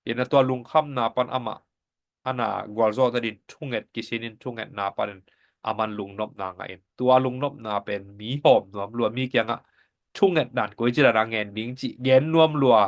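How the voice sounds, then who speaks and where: A man giving a Sabbath School Bible lesson in a steady, explanatory teaching manner. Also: medium pitch.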